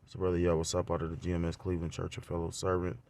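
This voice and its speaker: A man with a deep voice gives a religious lesson recorded on his phone. He talks loosely and rambles, stacking up fillers. As he goes on he grows louder and more animated. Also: racing, vocal fry. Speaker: religious teacher.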